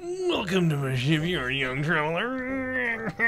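A put-on character voice at middle pitch, fairly slow in pace, over clear background noise. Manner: gravelly, pirate-like.

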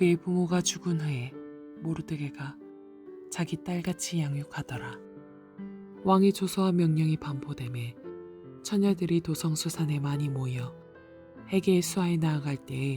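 Over music in the background, a woman speaks at a moderate pace with a very deep, low pitch. Her pitch variation is ordinary, broken by long, frequent pauses. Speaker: Bible reader. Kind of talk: scripture reading.

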